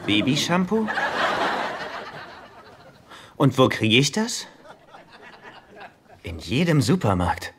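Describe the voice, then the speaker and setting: An actor in a German-dubbed sitcom playing a lovesick, naive rich man with a plaintive, boyish way of pleading. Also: mid-range voice. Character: lovesick, childlike wealthy man, whiny and naive. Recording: noisy TV soundtrack rip.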